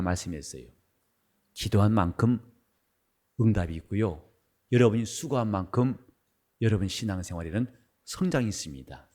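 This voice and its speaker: A middle-aged man preaching a sermon as pastor, his voice husky and worn, switching between loud bursts and quiet asides. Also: lowish voice. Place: church sanctuary.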